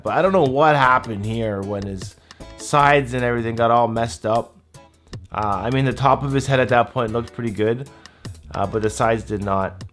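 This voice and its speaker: A man in his thirties giving a casual review in a measured, laid-back way. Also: medium pitch, a bit bright. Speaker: YouTube host. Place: small home room with desk and shelves, indoors. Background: guitar music.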